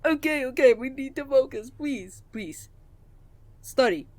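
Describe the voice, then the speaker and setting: Someone acting a shy, stammering young gentleman student. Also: high-pitched, expressive, unhurried, dry recording. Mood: flustered. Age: young adult.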